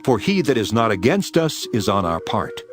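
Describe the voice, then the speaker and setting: A male actor plays a solemn, authoritative holy teacher in a Bible audio drama. His voice is fairly low and swings widely as he declaims. Music plays underneath. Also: big pitch swings, normal speed. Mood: earnest teaching. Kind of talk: dramatized King James scripture reading. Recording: music behind the voice.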